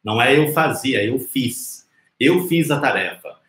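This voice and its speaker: A man's voice: mid-range voice, expressive, measured pace, a bit bright. A Brazilian man in his forties giving an informal, conversational English lesson on a live stream, explaining didactically with rhetorical questions and example phrases. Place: small indoor room with whiteboard. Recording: roomy, echoing indoor sound.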